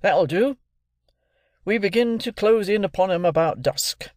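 A man's voice: high-pitched, a little mellow, no echo, studio quality, voice pushed up. A man doing a bluff, commanding army sergeant. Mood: brisk. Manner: brisk, commanding, jovial.

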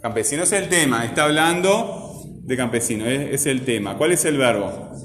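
A man's voice: medium pitch, animated, normal speed, fairly bright tone, a little hiss or hum. A man teaching a classroom grammar lesson, asking questions patiently and repeating key points. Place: classroom with a voice-bouncing echo. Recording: echoey classroom with long reverb.

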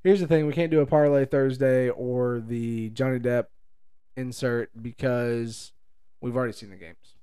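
A man's voice: mid-range voice, steady tone, normal speed, warm tone, clean tone. A young man co-hosting a casual podcast, rambling and playful. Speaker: podcast co-host.

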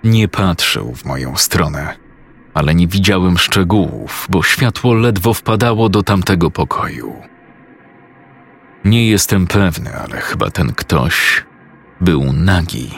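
A man narrates a creepy first-person horror tale in a measured, ominous reading. His voice is deep and husky, and he takes his time over every line. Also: lively intonation.

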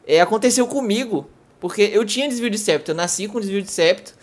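A man's voice: high voice, animated, fast. A Brazilian man co-hosting a podcast, chatting casually and joking through his anecdotes. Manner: jokey, laughs while telling anecdotes. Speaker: podcast co-host. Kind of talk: casual chat.

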